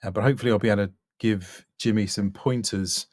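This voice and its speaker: Man, voice coach, lowish pitch, measured, considered, informal critique, very dry sound. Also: steady tone, darkish tone, no echo. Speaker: voice-over coach. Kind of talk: off-the-cuff spoken critique.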